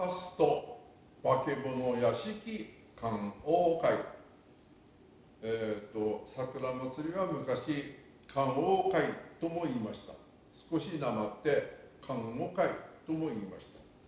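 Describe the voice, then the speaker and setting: A man with a Tsugaru accent speaks very slowly at a fairly high pitch, his voice swinging very widely with long, frequent pauses. Light background noise and audible room echo fill the recording. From Tsugaru, Aomori, Japan. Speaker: storyteller in local dialect. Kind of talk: explanatory talk on regional dialect and memories. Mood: calm, wistful. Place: home room.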